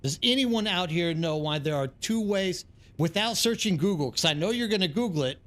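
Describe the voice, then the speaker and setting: This East Texas live streamer, who has an American accent, rambles along in casual conversation with his viewers as he plays. He sits high in pitch with an animated delivery, a moderate pace, and a fairly bright tone.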